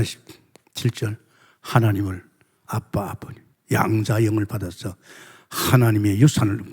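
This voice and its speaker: An older man preaching a Sunday sermon as pastor, asking the congregation rhetorical questions and swinging between soft murmurs and emphatic exclamations. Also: fairly low pitch, husky.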